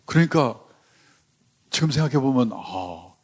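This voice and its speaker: A man's voice: mid-range voice, animated, measured pace. A man in his seventies giving a public finance lecture, telling stories in a conversational way with frequent asides. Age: 70s. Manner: anecdotal, conversational storytelling with asides. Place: lecture hall before a live audience.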